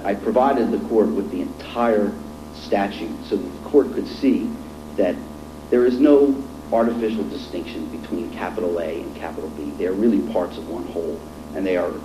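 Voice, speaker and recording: A man speaking as a lawyer, making a formal oral argument in court. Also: deep voice. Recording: echoey courtroom with clear noise and hum.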